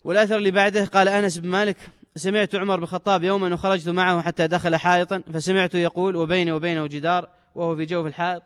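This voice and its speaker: A man's voice: high-pitched, level tone, racing, clean tone. A man giving a religious lesson, reading old texts with raised emphasis and explaining them in dialect. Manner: reads quotes in formal Arabic with raised emphasis, then explains in dialect. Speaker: religious teacher. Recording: long hall reverb.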